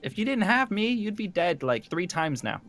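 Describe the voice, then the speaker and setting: A man's voice: sits high, very animated, normal speed, a bit bright, no room sound. A man playing a tabletop roleplay game with casual, flippant, teasing banter.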